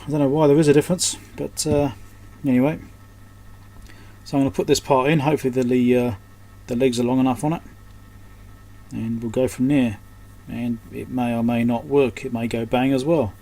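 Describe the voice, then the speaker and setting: A man's voice: mid-range voice, flat delivery, moderate pace, dark tone. A man giving casual, unscripted hands-on repair commentary, thinking aloud as he works. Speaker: host of an electronics repair channel. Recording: clearly noisy background.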